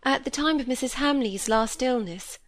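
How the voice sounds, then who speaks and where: A woman doing an earnest young girl. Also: lightly acted. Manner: higher, quick and careful telling.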